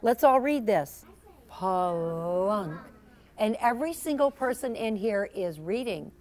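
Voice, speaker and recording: A woman reading a children's story aloud to young listeners in an animated, teacherly way, prompting them with questions. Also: mid-range voice, slow. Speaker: storyteller reading own children's book to a class. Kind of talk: interactive children's read-aloud.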